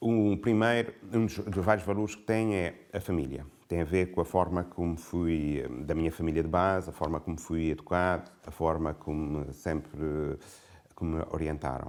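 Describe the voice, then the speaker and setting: A man with an Azorean accent speaks at a moderate pace in a very deep, low voice with fairly even intonation. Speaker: airport director. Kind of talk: interview answer.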